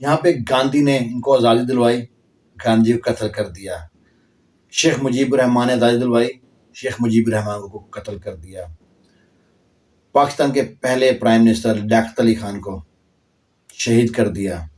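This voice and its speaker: Earnest man, dark voice, set back. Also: medium pitch, moderate pace, long pauses, far from the mic. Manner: earnest, sprinkles in proverbs and verse. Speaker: online commentator. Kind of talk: impassioned historical storytelling.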